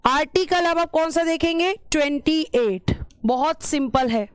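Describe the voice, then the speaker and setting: A woman's voice: high-pitched, a little slow, no echo, clean studio sound. A woman teacher giving an exam-prep lecture, repeating key terms and asking and answering her own questions, calling her students "beta".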